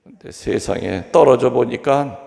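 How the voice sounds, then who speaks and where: A man's voice: medium pitch, measured pace, gravelly, dark tone. A Catholic priest giving a humorous, chatty homily to his congregation in a church. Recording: long reverb of a large hall.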